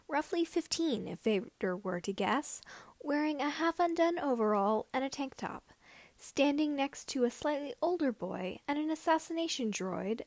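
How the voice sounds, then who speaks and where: A woman reading a story aloud as scripted narration, with somewhat halting phrasing. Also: high-pitched, no room sound. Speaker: amateur audiobook reader of fan fiction.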